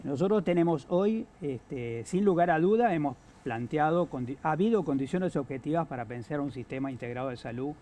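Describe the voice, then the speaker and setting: A man with an Argentine accent, giving analysis on a political talk show, halting with many fillers and restarts. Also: on the high side, animated, warm tone. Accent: Argentine Spanish. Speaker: guest analyst.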